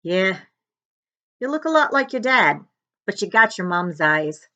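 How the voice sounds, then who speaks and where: A woman voicing a friendly, gruff, hungry giant man from a storybook, with rustic, ungrammatical speech. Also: medium pitch, big pitch swings, measured pace, sharp tone, dull audio. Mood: warm, jovial.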